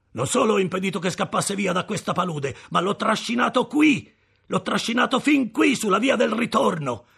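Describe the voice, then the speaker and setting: Guy putting on a brash shouting convict, gravelly and high-pitched, gloating. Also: heavily acted. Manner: loud, shouting, triumphant. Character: boastful battered male escaped convict, scornful.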